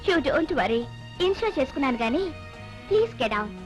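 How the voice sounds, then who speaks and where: A woman's voice: high-pitched, big pitch swings, brisk. An actress playing a mischievous young woman who teases and fools her lover in a film scene. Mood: teasing. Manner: teasing, coaxing. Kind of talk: 1980s Telugu film dialogue. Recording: film soundtrack with music.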